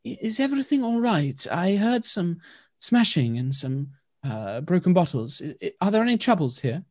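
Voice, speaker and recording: A man voicing a gentle blind wood elf woman who runs a temple, speaking softly, kindly and with stammers. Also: sits high, sing-song, normal speed, no echo, pitched above the performer's own voice. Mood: concerned. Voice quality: soft, breathy.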